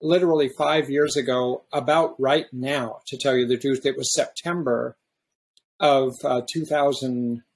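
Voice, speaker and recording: A man hosting a podcast in a casual, reflective way, often halting and restarting his sentences. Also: medium pitch, steady tone, breathy edge. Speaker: podcast host.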